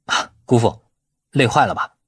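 A man's voice: mid-range voice, moderate pace, fairly bright tone, husky. A man reading the part of a courteous, glib young businessman in an audiobook. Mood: smooth, probing.

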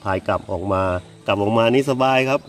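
A man's voice: lowish voice, fast. Thai man chatting at a cave mouth. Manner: relaxed, asks the guide questions. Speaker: travel vlogger host. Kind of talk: casual on-site tour chat. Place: outdoors at a cave mouth by a stream.

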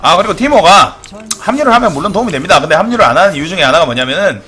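A man giving casual, jokey commentary on a game replay, mock-dramatic, swinging between excited shouts and low mutters. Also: racing, slightly rough.

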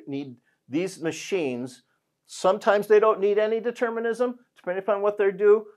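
A man's voice: a little high, a little mellow. An older man giving a whiteboard lesson on industrial networks, talking conversationally with frequent restarts and fillers, recorded on a lapel mic in a studio. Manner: conversational, many restarts and "you know"s, pointing at a whiteboard. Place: indoor studio in front of a whiteboard.

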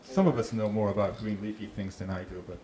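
His voice is lowish, steady, and dark, and he talks fast: a Boston-accented park ranger giving a casual talk with audience questions via a handheld mic. He is chatty, restarts frequently, and jokes dryly in a small, dark meeting room with a slide screen, recorded with echo and faint noise.

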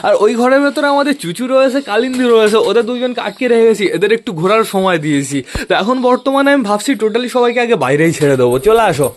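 A man's voice: extremely high pitch, expressive, very fast. A man vlogging about his pet pigeons in a casual, chatty way, talking to viewers and coaxing his birds. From West Bengal, India. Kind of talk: casual vlog narration.

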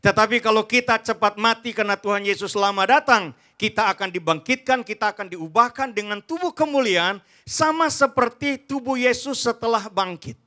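A man in his forties preaches from a large church stage, his voice strikingly high and bright. He speaks emphatically into a handheld mic, addressing the congregation and acting out his points. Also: normal speed. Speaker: pastor. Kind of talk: sermon.

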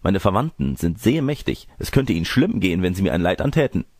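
Ein Mann spricht eine hochmütige, empörte alte adlige Großmutter in einem Märchen, würdevoll und protestierend. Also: male voice, low voice, sing-song, fast talker, darkish tone, dry recording, clean studio sound. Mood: bargaining. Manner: prim, dignified, protesting. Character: haughty, indignant old noble grandmother.

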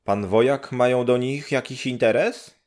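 A man's voice: mid-range voice, measured pace, darkish tone, pitched above the performer's own voice, natural voice. A man voicing a suspicious, gossiping old village woman, in a raised, chattering peasant voice in a storybook reading. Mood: surprised.

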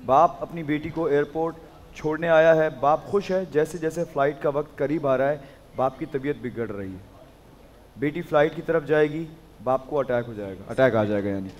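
A man hosting a game show, announcing rounds loudly and with energy. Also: on the high side, in a large hall.

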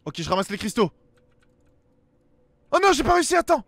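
Young guy doing excited gaming commentary, high voice with some crackle, close and dry. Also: a little fast, creaky, no echo. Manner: exclamatory, reactive, talks to himself. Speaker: gaming video host. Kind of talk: excited let's play commentary.

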